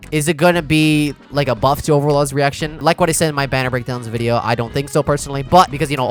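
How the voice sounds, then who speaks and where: Guy streaming game reactions, talks quick and informal, music playing behind him. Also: medium pitch. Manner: animated, informal, talking to chat. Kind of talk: casual live reaction commentary.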